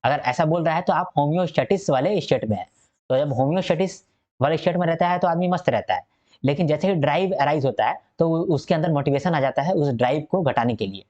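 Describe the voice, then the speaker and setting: A man's voice: fairly high pitch, fast, a little mellow, lo-fi sound. A male teacher giving a recorded exam-prep lecture. He explains step by step, repeats key points and keeps checking that listeners follow.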